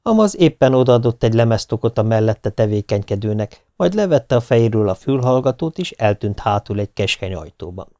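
A man from Hungary narrating a short story audiobook in a steady, measured way. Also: lowish voice, dry recording. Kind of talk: scripted narration.

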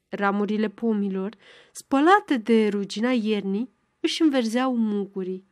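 A woman narrating a novel in a measured storytelling delivery. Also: on the high side, dry recording, clean studio sound. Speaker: audiobook narrator. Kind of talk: scripted literary narration.

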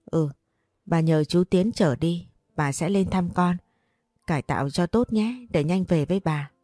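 A woman's voice: lowish voice, unhurried, warm tone, dry recording, clean studio sound. A woman voicing a grieving grandmother near sixty, pleading and tearful.

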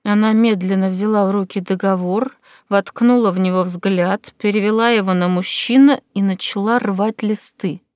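A woman narrates an audiobook with a measured, expressive delivery. Her voice sits in a middle pitch for a woman. The recording is dry and close, with no room sound. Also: no echo.

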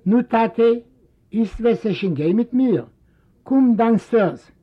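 A man's voice: extremely high pitch, animated, slow pace, pitched above the performer's own voice, heavily acted. Man playing coaxing, self-important rich son. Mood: impatient. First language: Yiddish. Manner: coaxing then impatient, mixing in English words. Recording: dull lo-fi recording.

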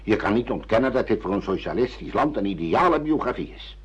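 An older actor playing a stern, pragmatic father who lectures and reproaches, with a raspy voice, in a Dutch radio play. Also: lowish voice, big pitch swings, fairly quick. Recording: dull lo-fi radio play recording.

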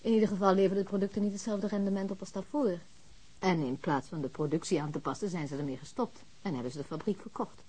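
An actress playing a composed, businesslike office secretary in a radio drama, formal and matter-of-fact. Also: female voice, mid-range voice, quick pace, a little mellow, slightly rough, close to an everyday voice, poor audio. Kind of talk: Dutch radio drama dialogue.

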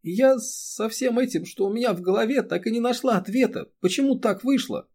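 A man's voice: medium pitch, expressive, gravelly, mellow, breathy edge. A male reader voicing a distressed young woman who falters and sobs as she pleads. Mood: tearful despair. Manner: pleading, halting, breaking into sobs. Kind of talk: audiobook character reading.

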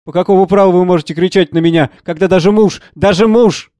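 A man's voice: sits high, fast, warm tone, dry recording, clean studio sound, natural voice. A man voicing a distraught middle-aged woman, a professor's wife, tearful and pleading with her lover. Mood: indignant.

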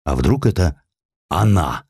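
A refined, thoughtful newspaper editor acted by a man in an audio drama. The voice is low and expressive, with resolute, old-fashioned educated phrasing. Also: gravelly, breathy edge, no echo, studio quality, full character voice. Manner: musing, drawn-out, old-fashioned educated speech. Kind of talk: Russian audio drama storytelling.

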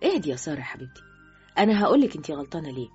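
A woman's voice: high-pitched, sing-song, rapid-fire, mellow, faint music behind, pitched above the performer's own voice. A woman voicing a worried, scolding middle-aged mother in Egyptian Arabic for an audiobook. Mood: calm advising. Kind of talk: audiobook character voice. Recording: dull, lo-fi audio.

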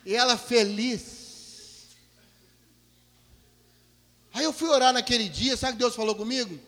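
A male pastor telling a story in a sermon, animated, swinging from loud bursts to hushed low tones. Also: a little slow. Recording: long hall reverb.

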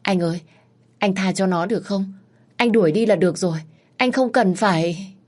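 A woman's voice: medium pitch, moderate pace, a little mellow, pitched above the performer's own voice, natural voice. A woman voicing a scheming young mistress who insists indignantly she was robbed. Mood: pleading.

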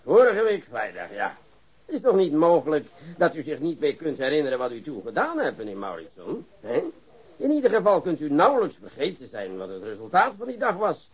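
An actor playing a falsely polite, relentless police interrogator in a radio play, mock-courteous, with theatrical, drawn-out emphasis. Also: male voice, a little high, wildly swooping pitch, husky, full character voice. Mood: mockingly polite. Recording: dull lo-fi radio recording.

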